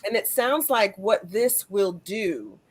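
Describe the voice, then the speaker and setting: A woman's voice: mid-range voice, expressive, slow pace, husky, soft background music. A woman hosting a conversational interview podcast, speaking reflectively and building her thoughts step by step. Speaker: podcast host.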